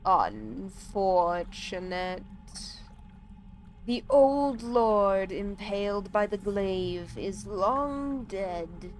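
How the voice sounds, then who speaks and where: A woman voicing a slow, solemn ancient male tree spirit, drawing out every word as she reads quest text aloud. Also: on the low side, slight background noise, low-quality recording. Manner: very slow, drawn-out delivery.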